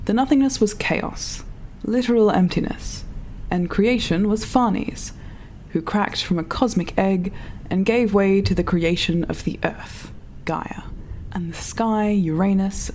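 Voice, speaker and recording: A woman playing a reflective, philosophical storyteller, delivering a solemn, deliberate monologue in an audio drama. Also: lowish voice, a little mellow, a little hiss or hum.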